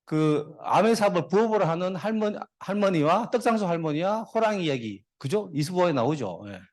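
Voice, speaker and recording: A man's voice: high voice, expressive, brisk, darkish tone. A middle-aged man giving a motivational guest speech, telling stories and dad jokes to the audience. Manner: jokey storyteller, dad jokes, talks to the audience. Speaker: guest speaker.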